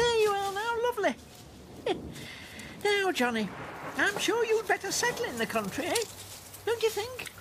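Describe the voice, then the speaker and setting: A put-on character voice at an extremely high pitch and a moderate pace, with clear background noise. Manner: gentle, homesick, fretful.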